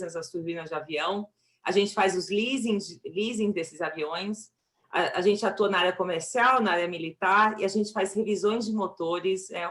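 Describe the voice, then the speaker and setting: Brazilian woman ceo talking on a business panel, voice a bit on the low side. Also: fairly bright tone. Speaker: company chief executive, panelist.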